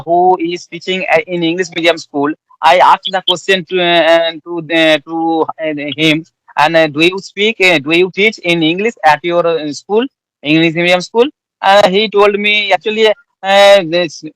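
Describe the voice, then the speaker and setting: Polite male host, fairly high voice, dry recording. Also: a bit bright, no room sound, poor audio. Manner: polite, frequent agreeing "yes, yes". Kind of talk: casual conversation practice.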